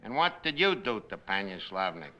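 A man's voice: lowish voice, sing-song, moderate pace, bright, forceful tone. An actor playing a sardonic, wisecracking man who runs a tavern, in a 1940s radio comedy. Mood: wry. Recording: noisy old radio recording.

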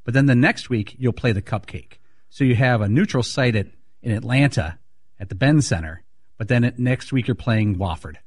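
A man chips in as a co-host with casual sports commentary. His voice sits at a middle pitch in a dry studio sound. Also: normal speed, breathy edge, no echo.

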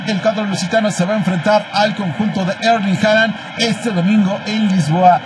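A man's voice: high-pitched, fairly even intonation, moderate pace, noisy background. A man giving conversational analysis as co-commentator on a live soccer broadcast.

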